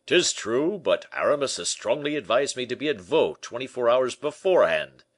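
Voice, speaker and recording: A man's voice: medium pitch, sing-song, moderate pace, pitched above the performer's own voice. A man doing a pompous, blustering nobleman. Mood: indignant. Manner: pompous, indignant, loud outbursts. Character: vain blustering middle-aged nobleman, hot-tempered. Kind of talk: audiobook character voice.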